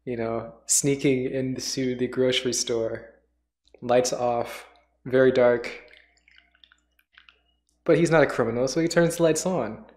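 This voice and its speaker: Male host, mid-pitched, unhurried casual chat, repeats himself while finding words, echoey room. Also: fairly even intonation, a little mellow. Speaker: host reacting to a radio play. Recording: roomy, echoing sound.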